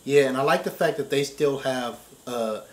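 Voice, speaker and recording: A man with a mid-pitched voice talks casually as a show commentator. He explains his points step by step, often checking that the others follow. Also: normal speed. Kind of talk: casual discussion of game story.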